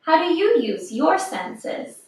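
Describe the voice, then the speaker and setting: Very echoey room, woman, lively intonation, children's storybook read-aloud, expressive, measured. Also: high-pitched, far from the mic, slight background noise. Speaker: picture-book reader.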